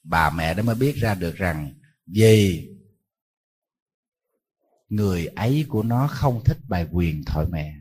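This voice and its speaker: A man who is a Buddhist monk, giving a dharma talk full of lively stories and playful questions to his audience. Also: deep voice, measured pace, pauses often, slightly rough.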